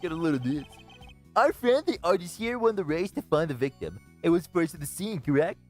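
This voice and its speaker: A woman's voice: fairly low pitch, darkish tone. A woman voicing a cocky, taunting boy detective in a live reading of a game. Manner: boastful, taunting. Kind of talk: live voiced game playthrough.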